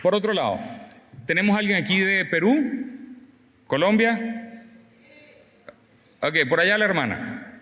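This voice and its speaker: A male preacher delivers a lively sermon, teasing and questioning his listeners. His voice sits fairly high for a man. It rings with a long reverb through a large hall. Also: measured pace, pauses often. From Venezuela. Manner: animated, teasing, conversational.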